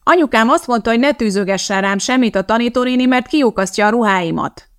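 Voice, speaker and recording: A woman's voice: fairly high pitch, smooth, dry recording, studio quality, voice pushed up, lightly acted. A woman voicing a timid, anxious little schoolgirl in an audiobook. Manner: startled, defensive.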